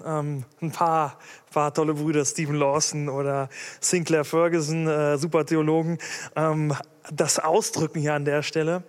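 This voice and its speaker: A man's voice: fairly high pitch, little pitch movement, normal speed, clear, resonant tone, big-room sound. A man preaching a sermon with emphasis, putting direct questions to his listeners.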